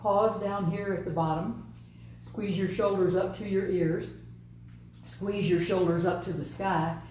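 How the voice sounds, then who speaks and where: A woman teaching a yoga class, giving calm, unhurried step-by-step cues. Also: medium pitch, a little hiss or hum. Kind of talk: guided yoga class instruction. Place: yoga studio. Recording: distant, very echoey studio room.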